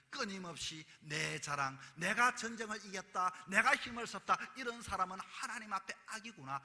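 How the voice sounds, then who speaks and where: A man's voice: high-pitched, sharp tone. A male pastor, preaching a sermon in emphatic bursts, recorded in a church. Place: church sanctuary. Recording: long reverb of a church hall.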